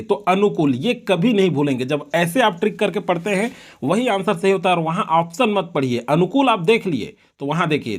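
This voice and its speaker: High-voiced man teaching spelling. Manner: repeats words slowly to drill spelling. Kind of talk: exam-prep lesson on correct spelling.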